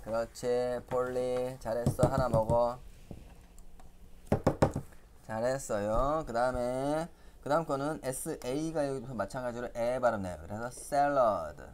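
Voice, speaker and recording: A man teaches English words to young children in a playful lesson. His pitch sits mid-range for a man, and he talks in a cheerful, coaxing way, asking quiz questions with frequent chuckles. A faint hiss sits behind his voice. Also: unhurried.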